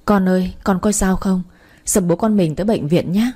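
A woman's voice: medium pitch, moderate pace, dark tone, breathy edge, lightly acted. A woman voicing a distraught young father, stammering and anguished.

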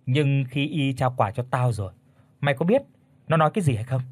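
A man voicing a gentle, sad teenage schoolgirl in a story reading, soft and hesitant, with a husky voice. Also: mid-range voice, lively intonation, a little fast, no echo, lightly acted.

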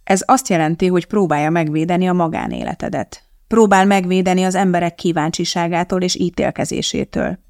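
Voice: medium pitch, expressive, vocal fry, hardly any pauses, a little mellow, no room sound, clean studio sound. A narrator voicing a genial, diplomatic middle-aged male TV producer who talks in a polite, placating way.

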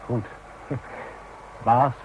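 A man playing a cocky, insolent younger workman in a Dutch radio drama, full of mocking backtalk. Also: darkish tone. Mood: sulky, defiant. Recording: dull, noisy old radio drama recording.

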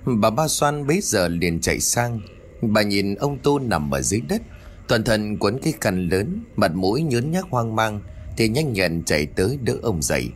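A man's voice: fairly low pitch, very animated, moderate pace, slight background noise. A man narrating a ghost story in a dramatic storytelling manner.

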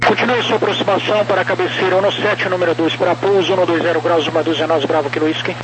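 Male tower controller, high voice, clipped procedural clearances, noisy radio. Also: steady tone, fast. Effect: aviation radio.

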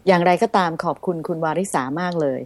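Woman hosting a radio chat, kinda low voice, polite and soft, dry studio sound. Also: steady tone, fast talker, no room sound. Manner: polite, soft-spoken, frequent polite particles. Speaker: radio show host. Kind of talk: radio talk show conversation.

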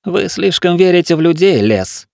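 A man's voice: high-pitched, very animated, normal speed, vocal fry, a little mellow, no echo, studio quality, pitched above the performer's own voice, full character voice. Man doing a cold scornful officer. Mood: contemptuous. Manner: cold, contemptuous, commanding.

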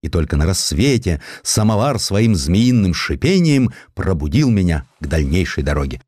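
Male narrator as a sentimental naval officer of the 1800s: deep, heartfelt, declamatory, with lively swings, storybook drama. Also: normal speed, husky, no room sound, heavily acted. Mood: wry.

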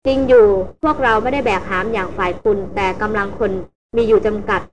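A woman voicing a prickly, quick-tempered foreign woman employer who talks sharply and indignantly, over vehicle noise. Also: mid-range voice, dull audio, natural voice. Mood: needling. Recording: noisy recording with vehicle hum.

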